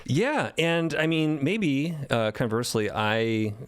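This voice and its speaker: A man's voice: mid-range voice, sing-song, takes it slowly, crowd noise. A man talking about his creative work at a podcast roundtable in a reflective, playful and wordy way. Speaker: podcast co-creator and sound designer. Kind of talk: casual roundtable chat.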